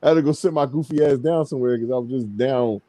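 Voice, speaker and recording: A man's voice: medium pitch, quick pace, no room sound. A man hosting a podcast, telling a story in casual, profane chat with frequent laughs over a video call stream. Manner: profane, animated, laughs often. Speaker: podcast host.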